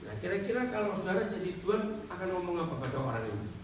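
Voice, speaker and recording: Male preacher, high lively voice, questioning the congregation, recorded from afar in a reverberant hall with faint noise. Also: rapid-fire, recorded from a distance. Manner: animated, questions the congregation directly. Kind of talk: sermon.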